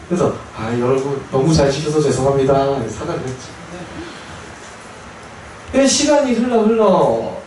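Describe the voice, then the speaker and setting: Animated monk preaching in an echoey hall. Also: male voice, fairly high pitch, recorded from a distance, slight background noise. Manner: animated storyteller acting out quoted voices. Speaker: Buddhist military chaplain monk. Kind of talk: storytelling dharma talk.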